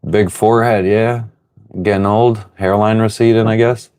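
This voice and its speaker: A man hosting a casual livestream from his sailboat, reading viewer comments aloud and rambling through relaxed answers. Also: on the low side, moderate pace, clear, resonant tone. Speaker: livestream host answering chat. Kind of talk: casual live chat. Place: on board a sailboat.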